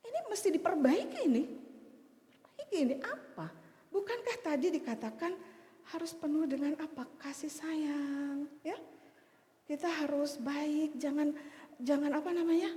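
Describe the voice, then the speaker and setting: A woman in her fifties preaching a sermon, telling stories with sudden loud outbursts. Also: high voice. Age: 50s. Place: church hall. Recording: echoey church hall with long reverb.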